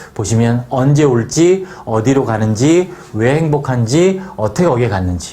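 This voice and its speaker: Over noticeable background noise and audible room echo, a man at a medium pitch talks at a very slow pace with very wide pitch swings. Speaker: English teacher. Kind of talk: lecture.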